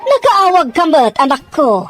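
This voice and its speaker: A scheming Filipino mother-in-law acted by a woman from a radio-style drama. Her high voice leaps about as she wheedles, scolds and gossips theatrically, over faint music. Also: sing-song. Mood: gloating, wheedling. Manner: exclamatory, drawn-out wheedling and scolding. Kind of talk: Ilocano audio drama acting.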